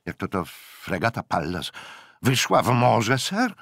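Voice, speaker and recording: A man's voice: fairly low pitch, huge pitch swings, a little slow, gravelly, a bit bright, husky, no room sound, clean studio sound, voice pushed up, exaggerated voice. A man voicing a hearty, frank young naval officer who banters cheerfully, in an audiobook. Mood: jovial. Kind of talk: audiobook character voice.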